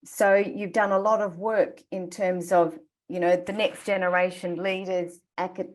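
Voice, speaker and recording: A woman's voice: fairly low pitch, little pitch movement, normal speed. A woman moderating an online panel conversation, encouraging and steering the talk with questions.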